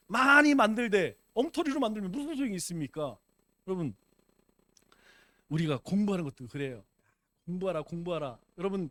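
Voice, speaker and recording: A man's voice: sits high, no echo. A man preaching a sermon to his church as pastor, talking in a conversational way and asking the congregation rhetorical questions.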